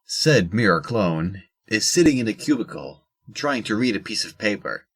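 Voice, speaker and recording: A man's voice: lowish voice, animated, moderate pace, a bit bright, breathy edge. A man reading scripted narration for an audio drama.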